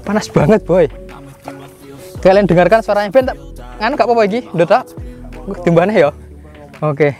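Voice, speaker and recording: Excited man by a tractor engine. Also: high voice, normal speed, long pauses, soft background music. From Indonesia. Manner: excited, slangy, calls viewers "boy". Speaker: vlogger. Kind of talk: casual vlog commentary. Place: outdoors in a rice field beside a running tractor.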